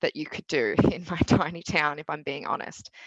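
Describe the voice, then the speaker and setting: Woman with an Australian accent and a bright, sharp tone, dry and close with no echo, over a quiet background. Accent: thick Australian. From Australia, rural Victoria. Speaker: customer engagement lead presenting a webinar. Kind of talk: webinar tutorial. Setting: online webinar.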